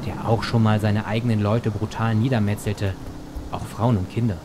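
An actor as a polite, slightly awkward doctor in a radio play. His voice is on the low side, dry and educated. Vehicle and outdoor noise sits clearly behind him. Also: fairly even intonation, normal speed, close to an everyday voice. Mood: narrating. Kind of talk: German audio drama acting.

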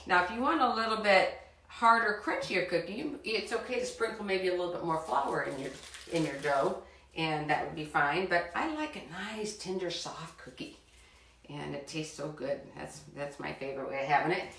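Speaking straight to the children, a middle-aged cooking show host runs a live demo from her own kitchen in a chatty, encouraging way. Her voice sits on the low side with vocal fry and a slightly bright tone, at a moderate pace. The distant camera gives the audio a roomy kitchen echo.

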